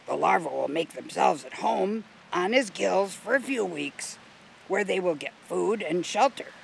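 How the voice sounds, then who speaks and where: Gravelly, slightly high storybook explainer, calm and patient, read by a man. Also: measured pace, a little hiss or hum, full character voice. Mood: reassuring.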